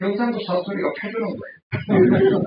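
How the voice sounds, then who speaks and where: Speaking with a Gyeongsang accent, a man uses a high pitch with ordinary pitch variation. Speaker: former judge giving AI lecture. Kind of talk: lecture. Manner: animated.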